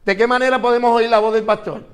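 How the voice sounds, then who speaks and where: A man's voice: extremely high pitch, fairly even intonation, quick pace. A man teaching an interactive Bible class, asking his students questions and repeating phrases for emphasis.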